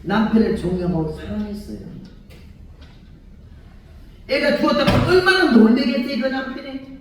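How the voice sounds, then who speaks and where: An older woman evangelist, preaching a sermon in animated storytelling, acting out dialogue and laughing often. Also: sits high, a little fast, slight background noise. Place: large church hall. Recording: echoey church hall from far off.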